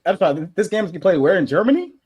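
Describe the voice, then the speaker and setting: A man's voice: high-pitched, sing-song, fast talker, a little mellow, slightly rough. A man co-hosting a casual sports chat over an online call, curious and laughing at himself as he makes his picks. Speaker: co-host.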